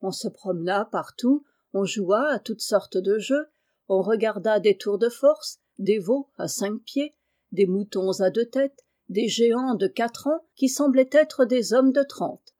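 Warm-voiced woman reading a novel. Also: medium pitch. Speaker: audiobook reader. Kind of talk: reading a classic novel aloud.

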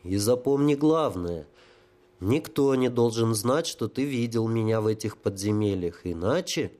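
A man voicing a cunning dead sapper who speaks smoothly and with authority. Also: lowish voice, expressive, unhurried, mellow. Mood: commanding.

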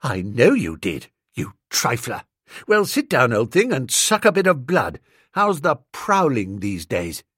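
A man's voice: medium pitch, wildly swooping pitch, a little slow, a bit bright, breathy edge, no room sound, studio quality, heavily acted. A man doing a cheeky young chap. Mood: teasing. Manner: breezy, teasing. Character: cheeky young man, teasing old friend.

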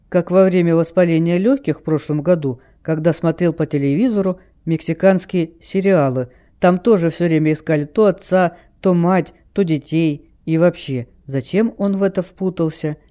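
A man narrating an audiobook in an even storytelling manner. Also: a little high. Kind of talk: scripted narration.

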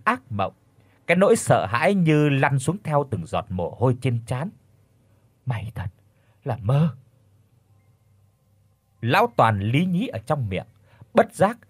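A man narrating a horror audiobook with dramatic, expressive storytelling. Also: mid-range voice, moderate pace, no room sound.

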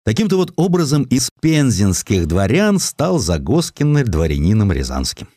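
A man narrating historical stories as a scripted audiobook, theatrically, with deliberate pauses. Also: medium pitch, very animated, warm tone, dry recording, clean studio sound.

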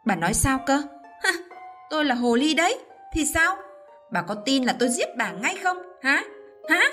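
A woman voicing a deceitful, cruel young woman who threatens with a shrill voice and later fakes a trembling apology. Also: sing-song, moderate pace, fairly bright tone, soft background music. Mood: menacing. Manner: shrill menace, then feigned tearful stammering.

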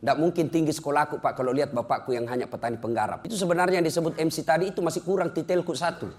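A man preaching, giving a humorous religious lecture as an animated storyteller who jokes and chuckles often. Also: on the high side, rapid-fire, long reverb tail, a little hiss or hum.

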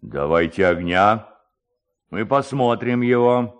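Casting: male reader as domineering middle-aged village boss, deep voice, ponderous commanding delivery, audio storybook. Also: smooth. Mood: gruff, suspicious. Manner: slow, weighty, imperious delivery.

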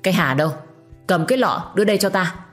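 A woman's voice: sits low, animated, normal speed, soft background music. A woman voicing a stern older matriarch who barks commands. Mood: commanding. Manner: commanding, scolding.

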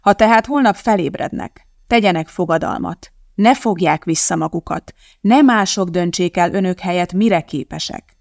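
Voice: mid-range voice, vocal fry, dry recording, natural voice. The reader voices a resolute woman chemist who hosts a TV cooking show, speaking firmly and declaiming to a studio audience. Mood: rousing. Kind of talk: audiobook character voicing.

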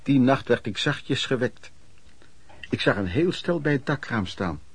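An actor playing an earnest, aghast storyteller narrating lodging-house memories in a radio play. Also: male voice, medium pitch, animated, a little slow, slightly rough, exaggerated voice. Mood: confiding. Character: male storyteller recalling lodging-house misery, shocked and earnest. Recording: crowd noise behind the voice.

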